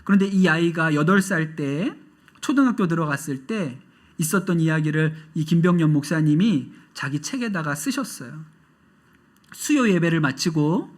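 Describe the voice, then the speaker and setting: A male pastor delivers a sermon in a church, his voice sitting a little high for a man. He tells stories in a gentle, unhurried way and often slips into quoting other people. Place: church sanctuary.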